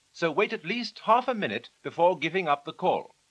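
This man talks at a moderate pace and high pitch with a British accent. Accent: old-fashioned British received pronunciation. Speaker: instructional announcer on telephone record. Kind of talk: vintage instructional narration, scripted 1920s public-information record. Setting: old 78 rpm record recording.

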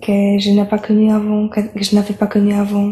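A woman speaks with a Polish accent at a medium pitch. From Poland. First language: Polish (speaking French). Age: 20s. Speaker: music student. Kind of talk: interview answers. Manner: halting. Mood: warm, smiling. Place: home room.

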